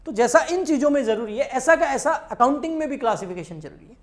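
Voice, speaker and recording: A woman with a high, lively voice talks fast while teaching an exam-prep accountancy lecture. She explains patiently, keeps checking that students are following, and addresses them familiarly.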